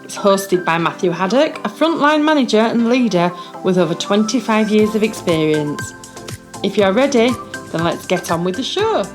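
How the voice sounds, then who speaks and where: Music plays clearly behind a woman announcing a podcast. Her voice sits at a medium pitch. She delivers scripted promotional narration as an introduction to the show. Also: lively intonation, moderate pace.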